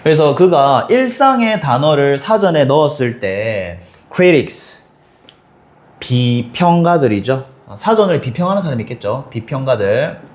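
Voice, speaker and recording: A man teaching an English textbook passage to high school students, explaining step by step and asking students quick questions. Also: darkish tone. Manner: switches between plain and exaggerated voices for example lines.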